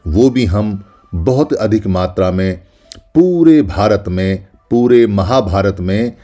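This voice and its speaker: A man's voice: lowish voice, animated, dark tone, soft background music. A man giving a solemn, scripted documentary narration, speaking in first person as if he were the ancient caves, listing names one by one. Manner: deliberate, lists names one by one. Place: voice-over.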